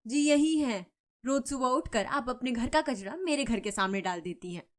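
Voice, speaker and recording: A woman voicing a quarrelsome, scheming middle-aged female neighbor who talks loudly and accusingly in a cartoon story. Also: moderate pace, lightly acted. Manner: loud, accusing and shrill.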